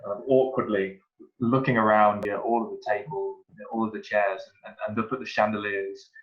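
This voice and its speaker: A man with a lowish voice narrating his character in a tabletop game, hesitant and halting. The recording sounds dull and lo-fi. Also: little pitch movement. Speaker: player. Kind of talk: casual tabletop play.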